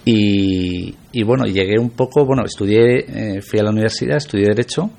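A man's voice: on the low side, fairly quick, vocal fry, a little mellow. A middle-aged man from Spain, a guest on a radio interview, talking reflectively with many hesitations.

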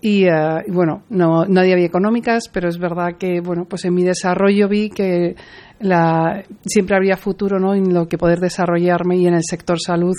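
A woman's voice: on the low side, warm tone. A woman in her forties from Madrid, answering interview questions earnestly with frequent hesitations and restarts. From Madrid, Spain. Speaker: guest, pharmaceutical executive. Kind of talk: interview conversation.

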